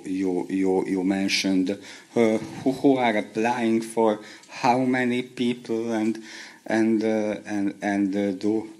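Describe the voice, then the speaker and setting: A man's voice: fairly low pitch, a little mellow. A middle-aged man, asking a question from the audience on a handheld mic, hesitant with many restarts. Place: conference audience seating.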